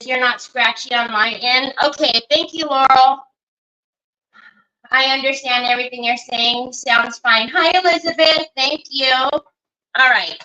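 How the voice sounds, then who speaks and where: A woman with a high, bright voice hosts a casual crafting livestream from her computer mic. She talks in a slow, easygoing way, stopping often to greet viewers by name. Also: muffled recording. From Northern California.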